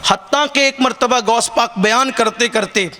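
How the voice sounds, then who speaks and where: A man preaching a sermon to a gathering in South Asian Urdu, impassioned, rising to shouts and joking with the crowd. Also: extremely high pitch. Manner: jokes with the crowd. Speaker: religious orator. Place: outdoor religious gathering with listeners.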